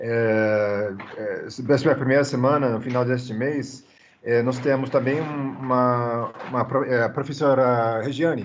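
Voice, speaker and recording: A man with a non-native accent talks at a fairly slow pace and medium pitch, with fairly even intonation. Room echo is audible. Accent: foreign accent in Portuguese. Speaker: university professor. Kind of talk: online class introduction. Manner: halting, many fillers.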